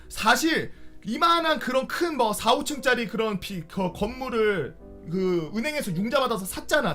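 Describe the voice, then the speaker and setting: A man's voice: high voice, a bit bright. A young man streamer venting a story in casual, heated, profane talk.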